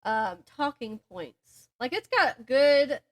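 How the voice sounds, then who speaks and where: Her voice sits high and is very animated, though she talks slowly. This young adult woman co-hosts a podcast, telling rambling, giggly stories while chatting casually with a friend.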